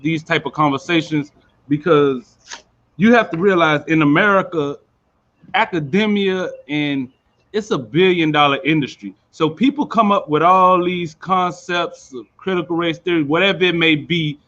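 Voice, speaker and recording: A man delivers casual, earnest closing remarks in a somewhat high voice. The sound comes through dull, lo-fi call audio. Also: normal speed, fairly bright tone. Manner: earnest, informal. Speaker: panel guest.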